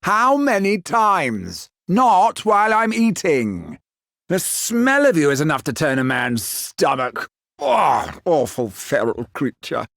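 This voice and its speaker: A man's voice: on the high side, very animated, takes it slowly, a bit bright, dry recording, clean studio sound, full character voice. A man playing a pompous, condescending aristocratic villain in a video game, theatrical and full of disdain. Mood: disdainful.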